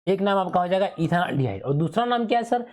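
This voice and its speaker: A man's voice: high-pitched, big pitch swings, fast talker, darkish tone. A male teacher giving an exam revision lesson in speech, who keeps asking questions and answering them himself, repeating the key terms.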